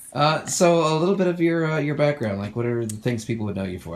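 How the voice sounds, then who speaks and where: Noticeable background noise sits behind a man talking at a very fast pace. His pitch swings very widely. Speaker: voice actor. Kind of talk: casual interview host talk.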